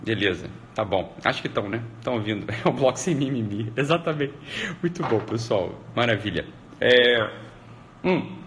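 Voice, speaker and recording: A man hosting a casual live stream, rambling along and tagging "né?" onto his sentences, his voice getting animated as he retells exchanges. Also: medium pitch, moderate pace, slight background noise. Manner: rambling, repetitive "né?" tags, animated when retelling. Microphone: streaming mic.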